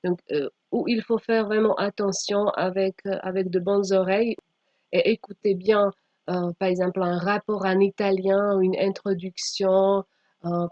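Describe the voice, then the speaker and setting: A woman giving a slide presentation as a teacher trainer, speaking haltingly with frequent pauses and sometimes reading aloud. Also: mid-range voice, mellow. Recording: dull, echoey room sound.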